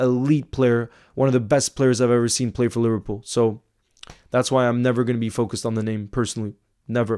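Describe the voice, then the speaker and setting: A man with an American accent talks very fast in a dark, mellow tone. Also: medium pitch for a man. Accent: American-sounding English. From France, with years in the US. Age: 20s. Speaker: football fan channel host. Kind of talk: live stream commentary with chat. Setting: live stream. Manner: animated.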